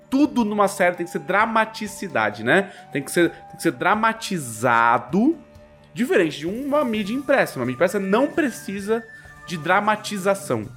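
Faint music plays behind a male podcast co-host whose Brazilian Portuguese accent colors his high-pitched, normal-paced speech. In this casual conversation he spins lively stories, raising his voice to quote people, and leans on slang and lots of fillers.

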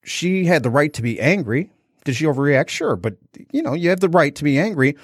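A man's voice: fairly high pitch, very animated, fairly quick, slightly rough, no echo, studio quality. A man co-hosting a casual podcast, telling a candid personal story and acting out the quotes. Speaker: podcast co-host.

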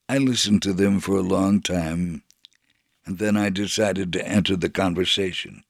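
A man's voice: lowish voice, gravelly, no echo, clean studio sound. An actor playing a devout, bold elderly Jewish man from Jerusalem in a dramatic reading of his memoir, told earnestly.

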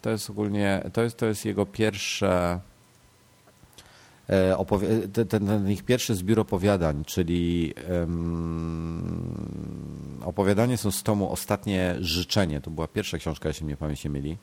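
Casting: male podcast host, low voice, nasal and congested from a cold, casual, stumbling delivery with repeats. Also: a little slow, creaky, a little mellow. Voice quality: congested, blocked-nose voice. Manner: hesitant, self-correcting, repeats words. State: sick with a stuffed nose and fever.

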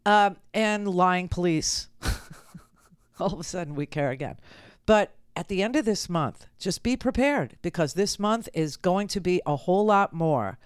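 Middle-aged woman talk host: smooth clear voice, dry close mic, blunt and sardonic. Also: fairly low pitch, animated, unhurried, no room sound. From United States. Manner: sardonic, blunt, repeats phrases for emphasis. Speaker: radio talk show host. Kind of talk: political talk radio monologue.

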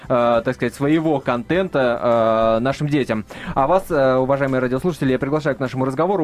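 A man hosting a live radio talk show in a studio, reading out facts and phone numbers in a brisk announcer manner. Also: medium pitch.

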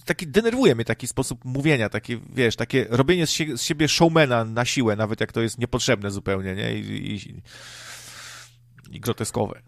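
A man's voice: mid-range voice, steady tone, normal speed, vocal fry, no room sound, studio quality. A man hosting an internet radio show, chatting casually with sarcastic asides. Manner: sarcastic, mimics pushy radio hosts. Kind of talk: casual chat.

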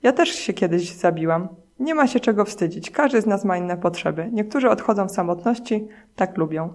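A woman's voice: medium pitch, expressive, fairly quick, a little mellow, natural voice. A woman reading the lines of a cheerful, reassuring dead woman in a book excerpt, in a plain reading voice.

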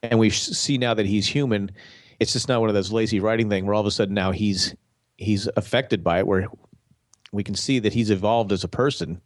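A man's voice: lowish voice, fairly even intonation, a little fast, no echo, studio quality. Congested, nasal man talking TV. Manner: rambling, restarts mid-sentence. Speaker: podcast co-host. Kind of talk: casual TV discussion.

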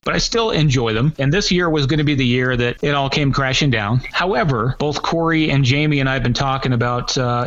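A man's voice: mid-range voice, fairly bright tone, muffled recording. A man hosting a podcast in a casual, conversational hangout style. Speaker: podcast host.

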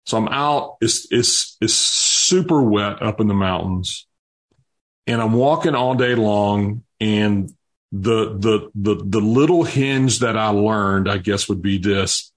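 A man's voice: on the low side, slow pace. A man in his fifties, an interview guest, telling personal stories earnestly with frequent restarts. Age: 50s. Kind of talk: interview storytelling.

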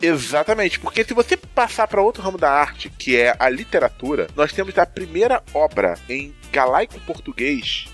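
A man co-hosting a casual comedy podcast, holding forth in a jokey, playfully pompous lecturing manner. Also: a little high. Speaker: podcast co-host.

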